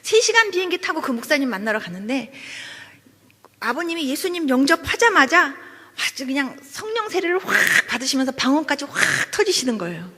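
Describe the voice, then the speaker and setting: A woman's voice: high voice, very animated, a little fast, pushed and bright. A woman pastor giving a sermon testimony, telling her story with animation and acting out the voices of people she quotes. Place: church sanctuary. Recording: church hall reverb.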